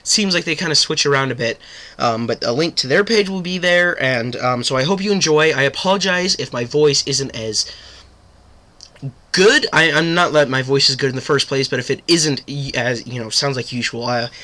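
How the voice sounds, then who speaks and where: A man's voice: medium pitch, normal speed, bright, forceful tone. A man with a cold reading a fan story aloud in a casual way, sometimes stumbling over words. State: sick with a cold. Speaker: fanfiction reader.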